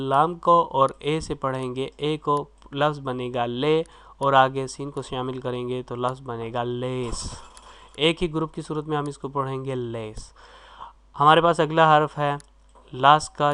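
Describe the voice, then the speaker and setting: A man's voice: medium pitch, pushed and bright. A man with a Pakistani Urdu accent, teaching a recorded video lesson and sounding out words letter by letter. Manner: spells words out letter by letter, sounding each syllable; clears throat now and then. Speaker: language teacher.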